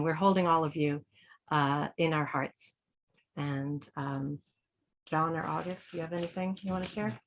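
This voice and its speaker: A woman giving a heartfelt speech at a ceremony, halting and hesitant, with many pauses and fillers. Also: deep voice, a bit bright, poor audio. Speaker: event co-sponsor.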